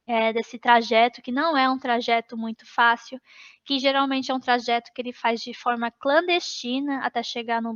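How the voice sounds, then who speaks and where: A woman's voice: on the high side, fairly bright tone. Brazilian woman explaining a lesson. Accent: Brazilian Portuguese. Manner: explanatory, with fillers and restarts. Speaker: teacher trainer. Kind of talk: presenting a lesson. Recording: dull lo-fi online meeting.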